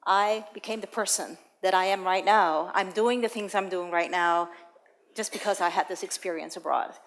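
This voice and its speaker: Female TEDx speaker from the Netherlands, young, telling personal stories in a relaxed way. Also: medium pitch, normal speed. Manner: personal storytelling, light laughs, occasional restarts. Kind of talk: public talk on stage.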